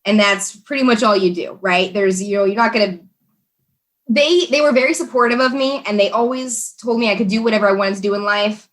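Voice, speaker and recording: A woman's voice: mid-range voice, brisk, a bit bright. Chatty woman telling her story. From Texas, USA. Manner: earnest and chatty, many "like" and "you know" fillers. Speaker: podcast guest. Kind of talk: telling her life story in a casual interview.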